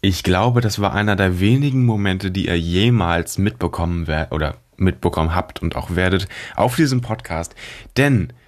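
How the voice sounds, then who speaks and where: A young man with a low-pitched voice and a congested nose talks alone as a podcast host. He rambles from thought to thought in loose, informal speech sprinkled with slang. His nose sounds stuffed up as he chats. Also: moderate pace. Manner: informal German youth slang with English words. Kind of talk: rambling solo podcast chat.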